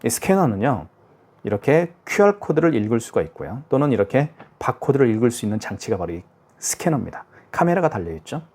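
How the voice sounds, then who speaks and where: A man's voice: mid-range voice, very animated, brisk, darkish tone. A man giving a casual product tutorial, narrating each step aloud and checking in with the viewer. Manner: chatty, self-narrating each step, frequent "자" and "그죠?". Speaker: product demonstrator. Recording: faint hiss with device clicks.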